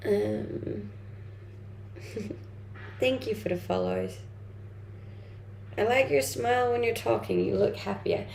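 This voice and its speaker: This young woman from Denmark, a native Danish speaker, streams live and chats informally while working through her viewers' comments. Her slightly high, gravelly, darkish voice swoops wildly in pitch, and she takes her time, pausing often. A roomy echo and faint noise sit behind her.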